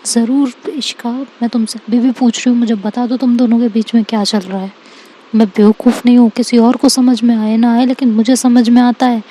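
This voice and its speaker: Brief: woman reading as a probing, sharp teen girl, higher voice, mellow tone, faint hiss. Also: steady tone, brisk, hardly any pauses, close to an everyday voice. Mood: insistent. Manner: insistent and probing. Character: suspicious, sharp-tongued schoolgirl friend.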